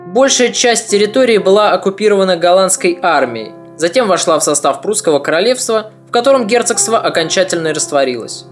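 Man narrating history over soft music. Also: high-pitched. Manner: measured, ironic storytelling. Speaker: podcast narrator.

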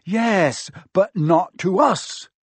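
A man's voice: high voice, animated, normal speed, no room sound, pitched above the performer's own voice. A man voicing an exasperated schoolboy in an audiobook, blunt and emphatic. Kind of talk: audiobook character voice.

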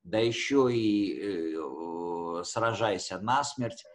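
A man's voice: low-pitched, animated, drawn-out words. A man teaching history conversationally, explaining with hesitations and rephrasing his key words as he goes.

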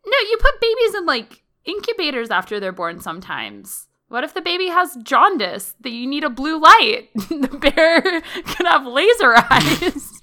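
Woman, young adult, podcast guest, giggly, animated, bright voice. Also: sits high, a little slow, few pauses. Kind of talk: casual podcast chat.

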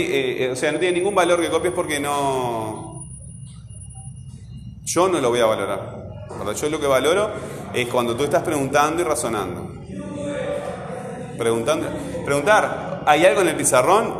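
A male grammar teacher with a Rioplatense Spanish accent lectures in an emphatic, repetitive way, checking in with his students again and again. He is recorded in a reverberant classroom with a long echo tail. A faint hiss of room noise sits underneath. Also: medium pitch. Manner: emphatic, repeats words, keeps asking "right?".

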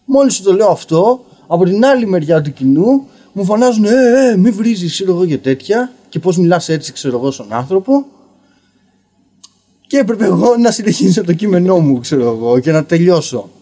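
A young man telling a story casually on a podcast as a guest comedian, rambling and filling pauses with "you know". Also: sits high, warm tone. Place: basement podcast studio.

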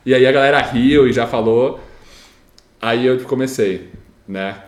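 A young Brazilian man telling a story in casual chat, animated and repeating himself, with a slight stammer. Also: medium pitch, unhurried, roomy sound. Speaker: storyteller recounting his graduation speech.

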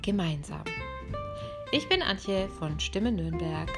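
Lively voice coach hosting a podcast. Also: female voice, on the low side, slow, music in the background. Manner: lively, addresses listener directly, demonstrates voice examples. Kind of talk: friendly podcast coaching talk.

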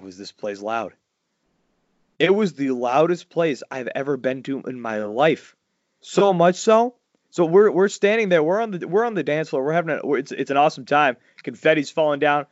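A loud, animated man, chatting as a podcast host. His voice sits a little high and leaps up further when a story excites him. The sound is dry and a bit dull, like a lo-fi recording. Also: dry recording. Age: 40s. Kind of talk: casual chat.

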